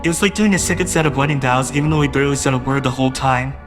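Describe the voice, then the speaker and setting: A man's voice: mid-range voice, fairly even intonation, rapid-fire, over music. A man narrating a first-person audio drama in a wistful, doting way that grows uneasy.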